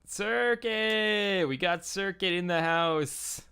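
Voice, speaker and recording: A man hosts a casual group chat on a fan livestream talk show from his home computer, talking through a headset in a rambling, jokey, self-deprecating way during an online group call. His high voice is gravelly, pushed, and bright, with a clear, resonant tone, and he takes it slowly.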